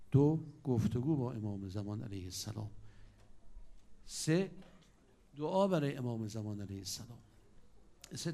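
Speaking at a medium pitch, this male preacher delivers a sermon through storytelling. His volume jumps suddenly from loud to quiet and back.

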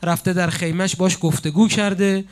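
Guy preaching a sermon, high pitched, really fired up, pauses a lot for effect. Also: steady tone. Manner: impassioned, with dramatic pauses and sudden swings in loudness. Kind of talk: religious sermon.

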